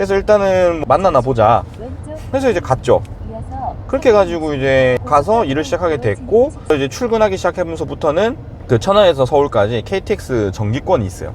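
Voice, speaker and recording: Over noticeable background noise, a man with a fairly high pitch speaks at a fairly quick pace, his pitch swinging very widely. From Gyeongsang region, South Korea. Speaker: insurance salesman. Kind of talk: interview.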